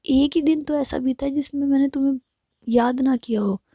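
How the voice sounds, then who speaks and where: A woman's voice: sits high, fairly even intonation, moderate pace, warm tone, no room sound, clean studio sound, pitched above the performer's own voice, natural voice. Jiya, a coaxing young woman, whispered by a woman narrator. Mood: pleading. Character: playful pleading young woman in love.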